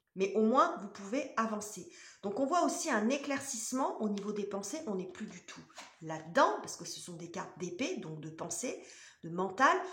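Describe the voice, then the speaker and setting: In a room with audible echo, a woman with a fairly high pitch speaks at a moderate pace, her pitch swinging very widely. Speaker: tarot reader. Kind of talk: tarot reading monologue. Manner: halting.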